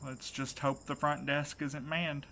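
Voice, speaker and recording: A man's voice: fairly high pitch, level tone, a little slow, vocal fry, sharp tone, a little hiss or hum, full character voice. A man acting in an audio drama as an earnest, anxious man set on a rescue, speaking with urgency. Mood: determined, tense. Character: determined, anxious young man set on rescuing his friend.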